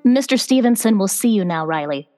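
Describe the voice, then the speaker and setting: A woman's voice: medium pitch, lively intonation, brisk, a little mellow, faint music behind, natural voice. A woman playing a friendly office secretary in old-time radio comedy style.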